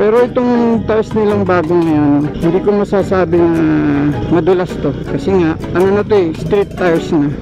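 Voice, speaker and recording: Music plays in the background. The room echo is audible. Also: man. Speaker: motovlogger. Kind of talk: review vlog.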